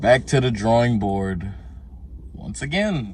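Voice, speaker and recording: Audible room echo hangs around this man as his pitch rises and falls very widely. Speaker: DIY car mechanic, channel host. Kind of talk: casual vlog narration.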